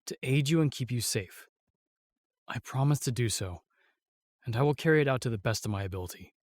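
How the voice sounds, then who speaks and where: A man playing a steadfast, protective royal guard, formal and measured, in a fantasy audio drama. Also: medium pitch, expressive, no room sound, clean studio sound, natural voice. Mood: earnest, solemn.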